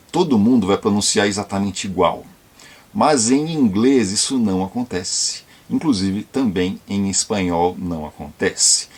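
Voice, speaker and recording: A man from São Paulo with a São Paulo Brazilian accent, casually explaining tips for learning English and slowing down to model pronunciations. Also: on the low side, breathy edge. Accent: Brazilian Portuguese, São Paulo. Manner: slow, deliberate when modeling pronunciation. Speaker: YouTube channel presenter.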